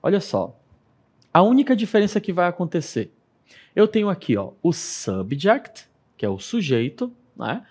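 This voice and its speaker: A man's voice: high-pitched, very animated, normal speed, darkish tone, breathy edge. A man with a Brazilian Portuguese accent teaching an English lesson on air, patiently explaining step by step and often checking in with "ok?". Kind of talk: televised classroom lesson.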